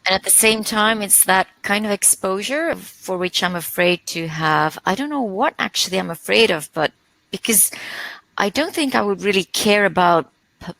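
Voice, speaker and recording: A woman speaking hesitantly in a reflective conversation, often pausing to search for words. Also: mid-range voice, animated, vocal fry, a bit bright, no echo, poor audio. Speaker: panel guest.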